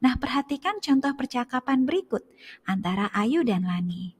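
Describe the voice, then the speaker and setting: A woman teacher giving a children's grammar lesson in a clear, sing-song voice, stressing each question word. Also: on the high side, expressive, moderate pace.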